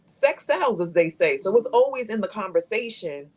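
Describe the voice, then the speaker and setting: A woman's voice: mid-range voice, very animated, normal speed, darkish tone, poor audio. A woman in her fifties speaking candidly as a guest on a live talk show, reflective and thoughtful. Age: 50s.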